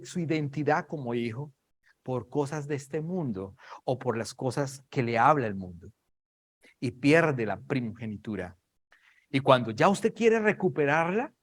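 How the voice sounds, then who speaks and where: A man preaching a sermon, dramatic and emphatic, repeating phrases for emphasis and acting out scenes. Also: mid-range voice. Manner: dramatic, acts out Bible scenes in raised voices.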